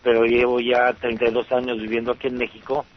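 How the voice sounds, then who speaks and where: A man's voice: mid-range voice, monotone. A man in his sixties, originally from Bulgaria, answers interview questions at length. He meanders with fillers and repeats himself as he gathers his thoughts. The recording sounds dull and lo-fi. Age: 60s. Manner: unhurried, rambling with fillers and restarts. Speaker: interview guest. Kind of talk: relaxed storytelling interview.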